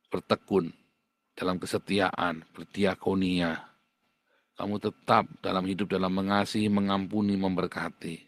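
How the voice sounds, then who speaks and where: A man preaching a livestream sermon as pastor, blunt and scolding, with sudden jumps to a high pitch for emphasis. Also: no room sound.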